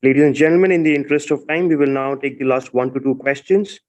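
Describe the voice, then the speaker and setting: A man's voice: mid-range voice, fast talker, a little mellow, dull audio. A man working as a conference call operator, making formal scripted announcements.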